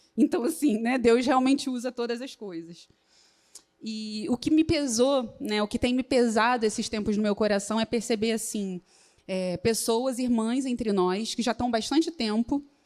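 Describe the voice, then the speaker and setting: A woman speaks in a Rio de Janeiro accent. Her pitch is fairly high. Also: ordinary pitch variation, moderate pace. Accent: carioca. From Rio de Janeiro, Brazil. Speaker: women's meeting speaker. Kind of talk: sermon. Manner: informal, conversational.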